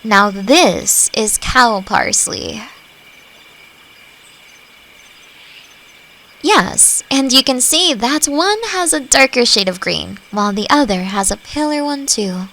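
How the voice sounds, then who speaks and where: A woman playing a friendly, thoughtful forest elf in a roleplay audio drama, talking gently and reflectively to the listener. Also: on the high side, expressive, unhurried, hardly any pauses, exaggerated voice. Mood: friendly, teaching. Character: friendly, thoughtful female forest elf, long-lived and curious. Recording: faint noise, nighttime forest insect ambience. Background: crickets and forest ambience.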